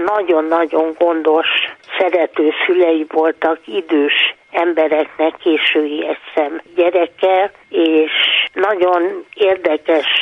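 A woman's fairly low, monotone voice at a very slow pace, with noticeable background noise. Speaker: art historian. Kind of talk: interview recollection.

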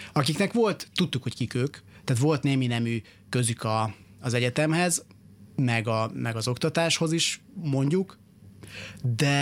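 A man speaks at a fairly slow pace with long, frequent pauses. His medium pitch shows ordinary pitch variation, on a very clean recording with a silent background. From Vas county, Hungary. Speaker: radio host. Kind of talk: casual interview. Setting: studio.

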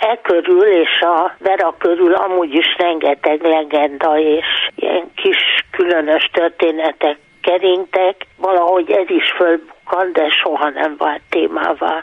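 A woman with a fairly low pitch speaks at a very slow pace, with fairly even intonation and very even loudness, over noticeable background noise. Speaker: art historian. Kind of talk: interview recollection.

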